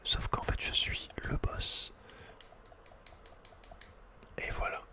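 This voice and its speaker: A man speaks entirely in a soft, breathy whisper. He hosts an ASMR gaming session, murmuring casual running reactions and slangy asides as he plays. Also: very slow. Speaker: ASMR gaming video host. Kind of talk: whispered ASMR game commentary.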